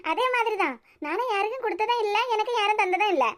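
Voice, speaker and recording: A performer doing a very high teasing cartoon wife. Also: animated, fast, a little hiss or hum. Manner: teasing, wheedling, talkative. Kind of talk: cartoon voice acting.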